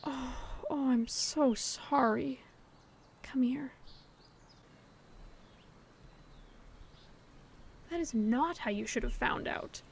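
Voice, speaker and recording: Woman playing a sweet hopeful best friend girl in an audio drama, high voice, earnest and comforting, talks right to you. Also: slow, vocal fry, slight background noise, full character voice. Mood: concerned, comforting. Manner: earnest, reassuring, conversational. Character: gentle, hopeful female best friend comforting her secret crush. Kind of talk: scripted audio roleplay, intimate one-sided dialogue to the listener.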